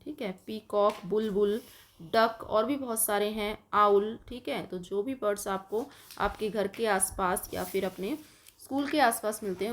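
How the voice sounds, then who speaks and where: A woman's voice: medium pitch, a little hiss or hum. A woman teacher with an Indian English accent giving an online lesson to young children, dictating word by word and explaining patiently.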